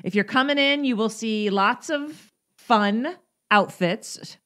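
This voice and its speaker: A woman co-hosts a podcast, chatting casually and laughing easily. Her voice is a little high, slow and fairly bright in tone.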